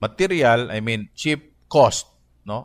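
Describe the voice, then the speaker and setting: Speaking at a fairly slow pace, a man with a plain, everyday voice keeps a medium pitch and ordinary pitch variation on a very clean recording with a silent background. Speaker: alternative medicine practitioner. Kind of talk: explanatory talk.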